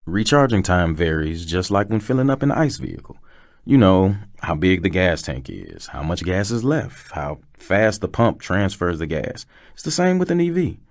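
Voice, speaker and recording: Low-pitched man acting as a car technician, knowledgeable, patient, scripted conversational explainer, dry close sound. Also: very animated, normal speed, no echo. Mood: explaining, assured. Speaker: voice actor in a promotional dialogue.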